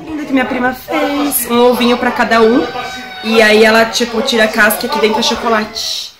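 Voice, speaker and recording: A woman's voice: fairly high pitch, level tone, brisk, crowd noise. A young Brazilian woman in her twenties filming a casual family vlog at home, talking affectionately to small children. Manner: affectionate, sing-song baby talk to children. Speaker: vlogger. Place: family apartment indoors. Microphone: handheld camera at arm's length.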